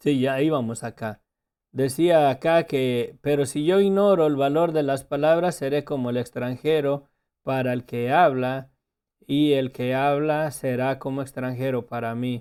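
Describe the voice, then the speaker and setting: A man with a Mexican accent and a dark, mellow, fairly high voice, speaking at a fairly slow pace with fairly even intonation in a very clean recording with a silent background. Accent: Mexican accent when speaking English. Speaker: Bible teacher. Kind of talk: Bible study lesson.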